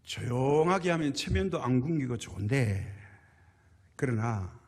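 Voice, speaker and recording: Husky-voiced preacher in an echoing church. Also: male voice, medium pitch. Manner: emphatic, asks rhetorical questions and answers them. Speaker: pastor. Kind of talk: sermon. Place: church sanctuary. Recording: reverberant church hall.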